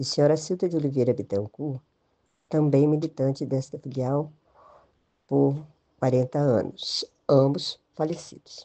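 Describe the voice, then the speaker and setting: A woman speaks at a fairly slow pace with long, frequent pauses, her very deep, low pitch showing ordinary variation in a dark, mellow tone. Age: 70s. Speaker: longtime movement member. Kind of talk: recorded testimony.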